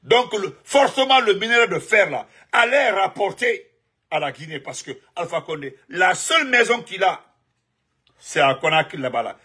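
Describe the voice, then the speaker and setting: A man talks in a husky, tense voice that sits a little high. He rambles through live political commentary, repeating his points with emphasis and greeting his viewers by name along the way. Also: expressive, moderate pace, sharp tone. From Guinea. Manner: emphatic, repetitive, jumps between topics and greetings.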